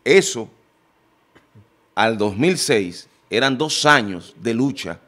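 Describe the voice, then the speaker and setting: A man in a TV studio panel, talking into a desk microphone, pressing his point with forceful questions. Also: medium pitch, lively intonation, takes it slowly. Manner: emphatic, rising to forceful questions. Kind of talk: heated political panel debate.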